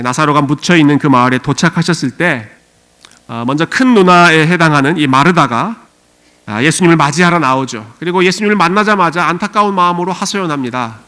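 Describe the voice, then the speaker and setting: A male pastor preaching a Sunday sermon in a measured voice, with frequent soft fillers, rising to loud cries when he voices mourners. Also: fairly high pitch. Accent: Korean (US immigrant church). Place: church sanctuary.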